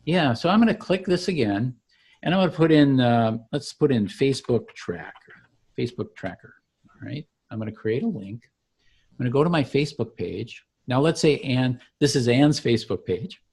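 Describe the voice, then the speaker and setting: A man presents his product in an informal walkthrough. He explains each step as he clicks through it, with the pitch of a salesman. His voice sits at a middling male pitch. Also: lively intonation, moderate pace, a little mellow, husky. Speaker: company founder demonstrating his product. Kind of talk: informal software demo walkthrough.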